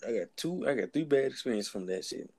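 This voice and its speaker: A young man chatting casually with a friend, telling stories in relaxed slang with mumbled asides. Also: mid-range voice, a little fast. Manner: laid-back slangy storytelling, mumbled asides. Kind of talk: casual chat between friends.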